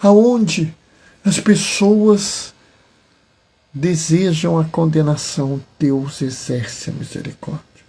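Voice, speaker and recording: A man, a deacon giving a homily with slow, deliberate phrasing and emphatic pauses. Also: a little high, fairly even intonation, dark tone.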